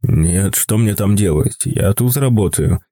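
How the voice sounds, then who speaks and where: A man's voice: fairly low pitch, animated, a little slow, mellow, dry recording, clean studio sound, pitched below the performer's own voice. Man doing an eccentric bearded gusher. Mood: wary. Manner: exclaims over paintings, then wary and blunt.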